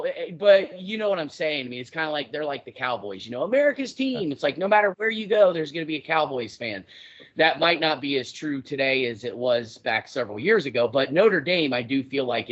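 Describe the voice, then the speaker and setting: A man co-hosting a sports podcast in an animated, chatty way, swearing casually as he talks. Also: fairly high pitch, a little fast. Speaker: podcast co-host. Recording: dull lo-fi podcast audio.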